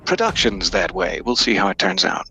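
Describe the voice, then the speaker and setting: A man chats as a guest on a podcast, polite and drily playful. His voice sits a little low, with a crisp forward edge and noticeable vocal fry. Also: sing-song, normal speed, sharp tone, soft background music. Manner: playful, polite, tongue-in-cheek. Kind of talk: casual interview chat.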